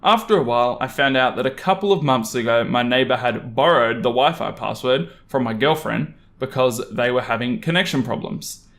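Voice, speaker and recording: A young man from Australia reads online stories as a host, adding casual, animated and exasperated commentary. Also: mid-range voice, moderate pace, hardly any pauses. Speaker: YouTube host reading Reddit stories. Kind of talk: story reading with casual commentary.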